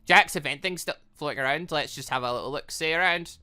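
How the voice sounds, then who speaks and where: A man's voice: a little high, fast, bright, forceful tone, clean tone. A man doing let's-play commentary on a game, rambling and thinking aloud as he goes. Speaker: gaming video host.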